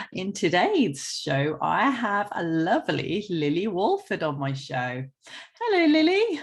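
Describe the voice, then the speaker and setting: With a British accent, a woman talks in very wide pitch swings. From Britain. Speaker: podcast host. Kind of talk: interview.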